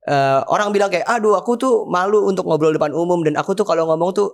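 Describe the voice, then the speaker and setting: A woman with a Jakarta Indonesian accent hosting a casual interview, chatty and quick to agree, mixing in English. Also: lowish voice. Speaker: podcast host and interviewer.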